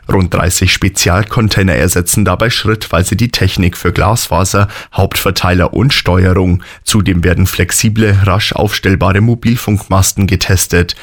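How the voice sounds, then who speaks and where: A man reading regional radio news in a calm, measured way. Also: low-pitched. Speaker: news presenter.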